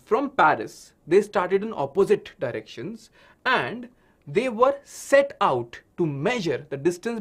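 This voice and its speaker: Indian guy teacher, native hindi speaker, high pitched n super animated, tells it like a big story n keeps asking right?. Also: breathy edge. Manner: dramatic storytelling with frequent check-in questions. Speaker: science teacher. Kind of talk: animated online lesson for children.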